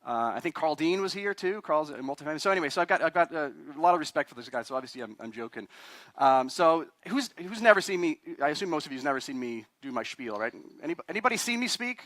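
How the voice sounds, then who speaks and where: Fast, chatty man from Chile. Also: a little high, very animated, a bit bright, dry recording. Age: 40s. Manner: chatty, quizzes the audience, self-deprecating. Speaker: guest speaker, attorney. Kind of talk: live talk to a meetup audience.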